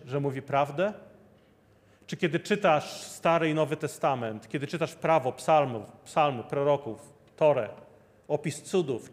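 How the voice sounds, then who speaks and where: A man preaching a sermon, earnestly repeating rhetorical questions to his listeners. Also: fairly high pitch. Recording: long hall reverb.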